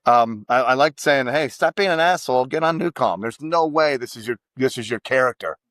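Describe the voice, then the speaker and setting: A man's voice: mid-range voice, a little fast, no room sound, clean studio sound. An American man telling stories with emphasis in a casual podcast conversation. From United States. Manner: emphatic, animated storytelling.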